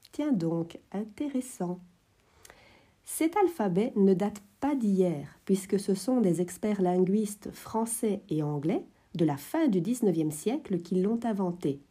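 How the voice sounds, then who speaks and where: A woman hosting an educational podcast, explaining French phonetics in a clear, measured way. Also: medium pitch, expressive, dark tone. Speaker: French teacher, podcast host.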